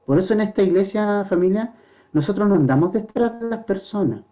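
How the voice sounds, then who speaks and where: Male pastor, earnest sermon voice, fairly high pitch, muffled lo-fi church recording. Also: mellow. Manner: earnest, asks the congregation rhetorical questions; slows down to stress scripture quotes. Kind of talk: verse-by-verse sermon.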